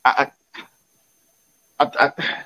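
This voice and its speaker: Slowly, in a pushed, bright voice, this man brags about football in a casual phone video, repeating himself with plenty of swagger. He's a sports fan vlogger, and the phone audio sounds dull.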